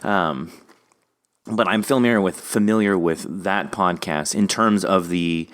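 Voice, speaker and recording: A man's voice: low-pitched, a little slow, a bit bright. A man hosting a casual podcast interview, informal and enthusiastic, often searching for words. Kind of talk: casual chat.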